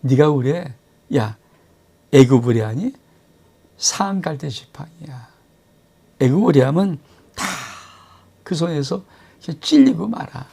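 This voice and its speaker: A man voicing a sneering, gravelly army commander. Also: on the high side, big pitch swings, a little slow, pauses often, mellow, heavily acted. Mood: mocking. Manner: mocking, sneering casual speech. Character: arrogant foreign male army commander taunting.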